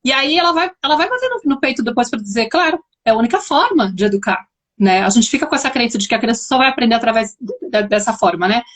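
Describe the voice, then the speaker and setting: High-voiced Brazilian woman hosting a live. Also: expressive, fast. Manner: thoughtful, explanatory. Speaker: host. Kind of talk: casual live chat.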